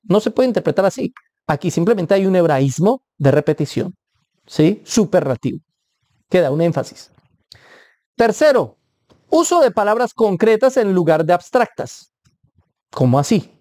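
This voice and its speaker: Man, preacher-teacher, warm and mellow tone, emphatic with repetition, dry close sound. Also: high-pitched, big pitch swings, moderate pace, long pauses, no echo. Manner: emphatic, stresses points by repeating words; checks in with listeners with a questioning aside. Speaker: preacher teaching Bible interpretation. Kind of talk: Bible teaching talk.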